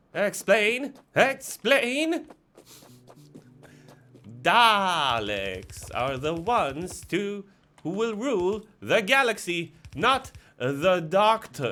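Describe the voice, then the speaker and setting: Over music in the background, a man puts on a robotic character voice, high-pitched and very slow. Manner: harsh, menacing, commanding.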